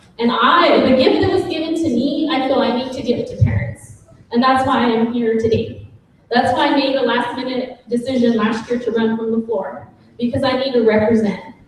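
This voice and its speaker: A woman speaks at a moderate pace in a high pitch with ordinary pitch variation. Noticeable background noise is present. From US with Mexican father, partly raised abroad. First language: Spanish. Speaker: PTA parent leader. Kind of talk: panel testimony. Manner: halting.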